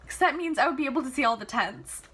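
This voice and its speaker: Bright, husky-voiced woman reading aloud. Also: high-pitched, expressive, fast. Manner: enthusiastic, chatty, openly reacting to the text. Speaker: amateur book reader. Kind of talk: reading a novel aloud with casual asides.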